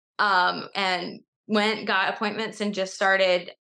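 A woman with an East Tennessee accent, bright and sharp in tone, at a fairly slow pace against a quiet background. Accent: Southern US (East Tennessee). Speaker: gun rights advocacy organizer. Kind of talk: interview.

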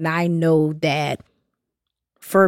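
A woman with an American accent speaks at a very slow pace. The sound is dry and close with no echo, on a very clean recording with a silent background. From US South, Athens, Georgia. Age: 40s. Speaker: cookbook author and food editor. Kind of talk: interview.

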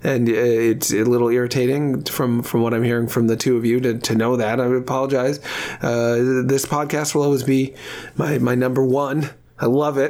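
Speaking at a moderate pace, a man holds a medium pitch in a flat monotone with very even loudness. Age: 40s. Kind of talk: casual chat. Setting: voice call.

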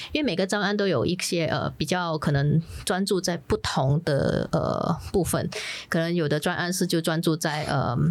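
With a Malaysian accent, a woman speaks at a fairly low pitch with ordinary pitch variation. Her pace is moderate and her loudness very even. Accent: Malaysian Chinese Mandarin. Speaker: humanitarian logistics worker. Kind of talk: interview. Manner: hesitant, many filler sounds.

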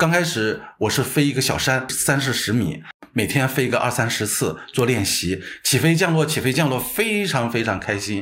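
Very wide pitch swings come through along with audible room echo. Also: man, medium pitch for a man, moderate pace. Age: 50s. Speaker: paragliding club head. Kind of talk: interview.

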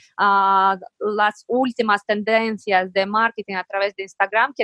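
A woman with a Russian accent speaks fairly slowly in a bright, sharp tone, keeping a fairly high pitch and fairly even intonation, in a dry, close sound with no echo. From Russia, Moscow. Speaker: Instagram marketing agency founder. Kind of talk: interview. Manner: halting, many fillers.

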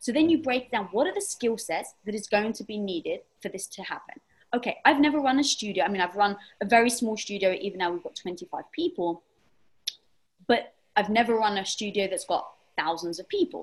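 Talking fairly quickly, a woman with a fairly high, somewhat breathy voice uses lively intonation and big swings in loudness. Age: 40s. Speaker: media entrepreneur and show host. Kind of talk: interview conversation.

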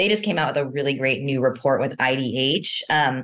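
With an American accent, a woman speaks in a very deep, low voice. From US East Coast. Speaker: corporate strategy executive. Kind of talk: panel discussion.

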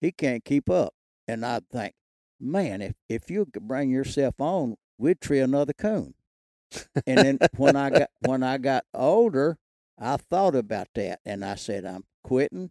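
A man with a Southern US accent speaks at a fairly slow pace in a medium pitch, his tone dark and mellow. His intonation is lively, and the sound is dry and close with no echo on a very clean recording over a silent background. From Alabama. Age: 80s. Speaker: coon hunter. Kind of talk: casual chat.

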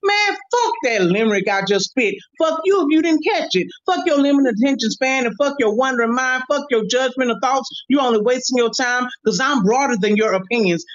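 A woman with an American accent speaks at a fairly quick pace and a high pitch. Her loudness stays very even. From North Carolina, Winston-Salem. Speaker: poet. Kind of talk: poetry performance and chat.

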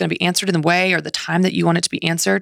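A woman speaks at a very fast pace with vocal fry on a very clean recording with a silent background. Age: 30s. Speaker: author and speaker. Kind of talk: interview conversation.

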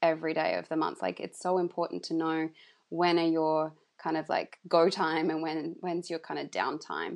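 At a moderate pace, a woman talks in an unremarkable speaking voice, fairly low in pitch with fairly even intonation. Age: 30s. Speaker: women's relationship coach and sex toy shop founder. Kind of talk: casual interview.

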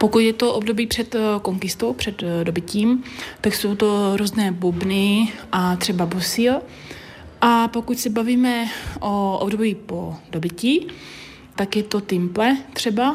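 Noticeable background noise surrounds a woman whose medium-pitched voice varies in pitch in an ordinary way. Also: fairly slow pace. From Czech Republic, Nový Jičín. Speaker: folklorist and violinist. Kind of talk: interview. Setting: outdoors on a town square.

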